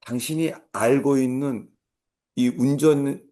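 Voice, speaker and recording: A middle-aged male pastor giving a sermon, telling a humorous personal story and acting out shouted commands. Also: medium pitch, steady tone, a little slow.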